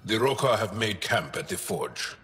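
An actor playing an earnest, burdened alien warrior in a video game, solemn and measured, with formal phrasing. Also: male voice, lowish voice, animated, a bit bright, in a large hall. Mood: grave, troubled. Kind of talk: cinematic video game acting.

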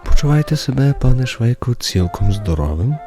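A man in a radio drama playing an elderly, kindly court interrogator who speaks with gentle, unctuous politeness. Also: medium pitch, sing-song, brisk, over music. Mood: softly probing.

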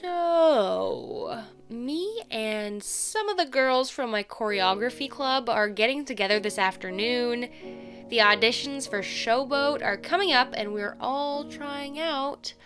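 A woman's voice: a little high, expressive, takes it slowly, fairly bright tone, soft background music, full character voice. A young woman acting a bubbly, chatty college theater student in an audio drama, with a breezy, chirpy manner. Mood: chatty, upbeat. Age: young adult.

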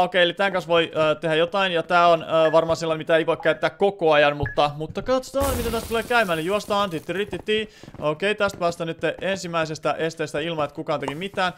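Smooth-voiced man streaming a game. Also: high-pitched, fairly bright tone. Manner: rambling, many filler words. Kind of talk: live gameplay stream, chatting with viewers.

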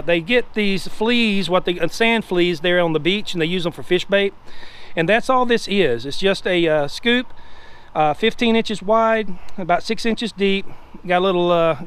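A man's voice: sits high, fairly bright tone, clear, resonant tone. A middle-aged man casually showing off his gear outdoors by a pickup truck, talking in a folksy, rambling way with lots of "uh" and restarts. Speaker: treasure hunting video host. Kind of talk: casual show-and-tell demonstration.

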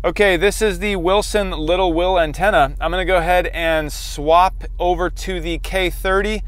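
Clear higher-voiced man, casual test chat. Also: fairly even intonation, normal speed, fairly bright tone. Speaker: host. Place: inside a parked car. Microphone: lapel mic.

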